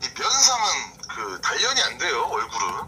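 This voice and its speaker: A man's voice: mid-range voice, huge pitch swings, a little fast, background noise. A man in his thirties, a streamer guest boasting and trash-talking with swearing in a casual livestream chat in an indoor room.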